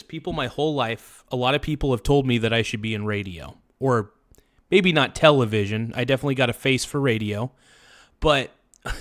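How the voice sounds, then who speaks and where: A man's voice: medium pitch, fairly bright tone. Chatty man hosting a livestream. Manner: chatty, rambling, thankful to viewers. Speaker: livestream host. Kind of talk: casual livestream commentary.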